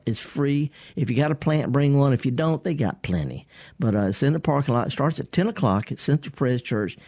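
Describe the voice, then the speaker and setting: A man hosting a gardening call-in radio show, his voice husky from pollen, folksy and rambling. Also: medium pitch, warm tone, dry recording, studio quality. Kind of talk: casual radio call-in talk. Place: radio studio. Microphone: studio microphone.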